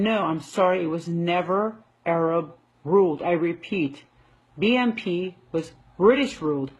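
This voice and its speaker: An American woman giving an unscripted opinion monologue in an emphatic, indignant, argumentative manner, with a husky voice. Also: fairly low pitch, rough recording. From United States. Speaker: online video commentator.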